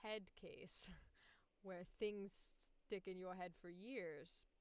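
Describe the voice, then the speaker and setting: A woman with a clear, smooth voice talks casually on a livestream in a close, dry sound. She takes her time, rambling and swearing as she thinks aloud, often poking fun at herself. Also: fairly low pitch, fairly even intonation, takes it slowly, dry recording. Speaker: streamer and voice actor editing audio. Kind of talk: casual livestream chat with bursts of singing.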